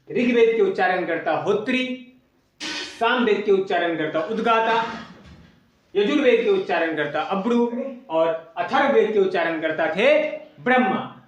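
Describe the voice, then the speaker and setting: A man teaching an exam coaching lesson, asking questions and then repeating the answers slowly. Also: high voice, far from the mic, highs cut off. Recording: echoey room, voice away from mic.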